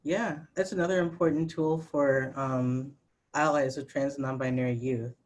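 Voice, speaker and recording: A trans trainer with a fairly high voice, moderating a panel discussion. They explain ideas calmly and patiently, often pausing with "um", in a mid-range pitch over a video call. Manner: calm, explanatory, with frequent "um".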